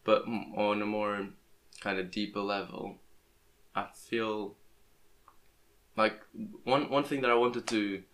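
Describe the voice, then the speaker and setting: Using a plugged-in podcast microphone, this young native Portuguese speaker hosts a casual interview and frequently restarts his words. He talks slowly in a lowish, steady voice with a slightly bright tone.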